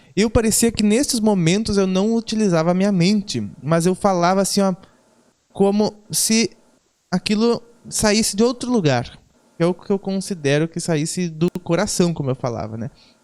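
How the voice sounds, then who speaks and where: The man's voice sits high. His melody moves in a lively way. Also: moderate pace. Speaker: spiritual teacher. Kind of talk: spiritual talk to online members. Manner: halting, self-correcting.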